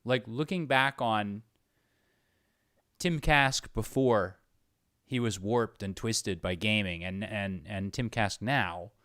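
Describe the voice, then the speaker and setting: A man's voice: lowish voice, takes it slowly, fairly bright tone, dry recording, studio quality. A man hosting a casual conversational interview, with an agreeable, enthusiastic manner. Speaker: interviewer, podcast host.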